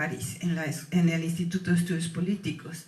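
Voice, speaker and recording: A woman is speaking. Room echo is audible. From Mexico. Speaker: professor. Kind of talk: lecture.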